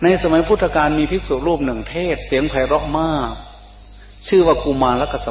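Audible room echo and light background noise accompany a man's speech. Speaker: Buddhist monk teacher. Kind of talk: sermon. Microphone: old recording.

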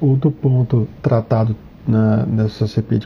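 A man talks very slowly with a Brazilian accent and a fairly low pitch. Light background noise can be heard. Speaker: regulatory agency technical staff. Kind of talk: formal technical presentation. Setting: video call. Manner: halting. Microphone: video call.

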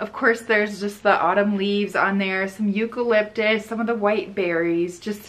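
A woman's monotone, flat delivery at a moderate pace with hardly any pauses. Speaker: home decor vlogger. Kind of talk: casual vlog chat. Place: home room. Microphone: camera far.

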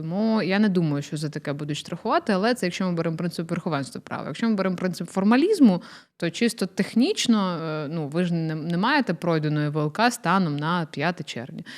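An unremarkable speaking voice with lively intonation at a fairly quick pace, on a very clean recording with a silent background. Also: woman, fairly low pitch for a woman. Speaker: lawyer. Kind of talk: studio interview explaining legal matters. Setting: studio.

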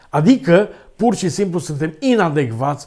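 A man speaks in a dark, mellow tone at a moderate pace, his pitch swinging very widely. The background is quiet. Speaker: political commentator. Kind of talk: angry rant. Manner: sarcastic, indignant; loud, ironic. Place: home room.

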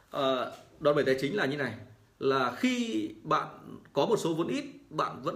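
A man speaks fairly slowly with a fairly high pitch. His voice swings very widely up and down. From Vietnam. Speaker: online trading educator. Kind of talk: livestream tutorial. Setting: livestream. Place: home room. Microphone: webcam.

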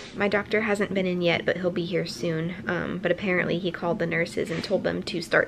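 A woman talks with ordinary pitch variation and some vocal fry. Noticeable background noise runs under her voice. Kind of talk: casual vlog chat. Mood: anxious, worried. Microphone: phone near.

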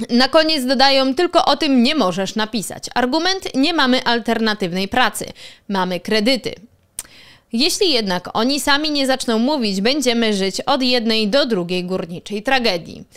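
Over a quiet background, a woman speaks in a high pitch at a moderate pace with lively intonation. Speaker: news commentary YouTuber. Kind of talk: casual news commentary vlog. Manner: informal, conversational with self-corrections. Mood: critical, indignant. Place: home room. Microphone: studio mic.

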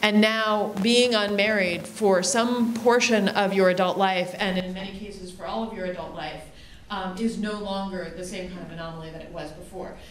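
In an American accent, a woman speaks with fairly even intonation, audible room echo and light background noise. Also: moderate pace. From US, suburban Philadelphia. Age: 40s. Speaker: journalist and author; journalist. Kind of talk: panel discussion. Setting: stage with live audience. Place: stage. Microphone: handheld.

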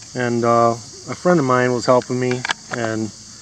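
The sound is dry with no echo, though background noise is noticeable. A man speaks at a fairly slow pace. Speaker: chainsaw owner reviewing tool. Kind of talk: casual product review. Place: garden. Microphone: phone near.

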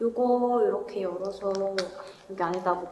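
A woman speaks in an animated tone over light background noise, with audible room echo. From South Korea. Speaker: fashion vlogger. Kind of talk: casual vlog with product talk. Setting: home, talking to camera. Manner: chatty, animated. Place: home room. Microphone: phone near.

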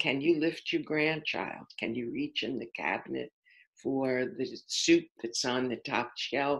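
A very slow pace against a quiet background. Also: woman. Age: 80s+. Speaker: podcast guest. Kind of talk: podcast interview answer. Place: home room. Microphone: video call.

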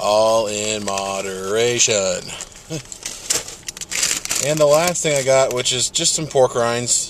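A man's fairly slow delivery with ordinary pitch variation, dry with no echo, and light background noise. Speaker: vlogger. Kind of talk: casual vlog chat. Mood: relaxed, laughing. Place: car. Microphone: phone near.

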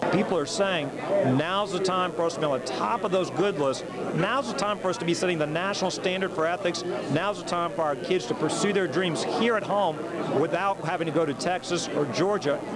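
The speech runs with hardly any pauses at a very even loudness. Noticeable background noise can be heard. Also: man, high pitch for a man, ordinary pitch variation, fairly quick pace. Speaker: gubernatorial candidate. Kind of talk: campaign announcement speech. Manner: fast-talking.

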